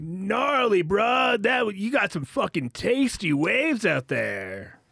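A put-on character voice from a man, high in pitch and at a fairly slow pace. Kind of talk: laid-back California surfer slang.

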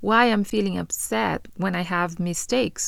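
A woman with a non-native accent speaks at a fairly slow pace. The recording is very clean, with a silent background. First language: not English. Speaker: podcast host, mixed media artist. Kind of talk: solo podcast monologue.

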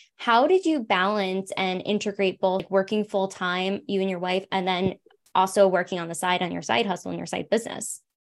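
Speaking at a fairly quick pace, a woman sounds enthusiastic, her medium pitch moving with ordinary variation. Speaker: podcast host. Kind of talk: interview.

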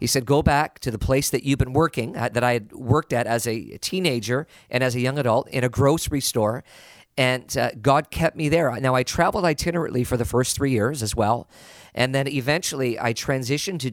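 A man with a Canadian accent, medium in pitch, at a fairly quick pace with ordinary pitch variation, in a dry, close sound with no echo. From Canada, Toronto area (Scarborough). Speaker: local missionary, ministry worker. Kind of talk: testimony.

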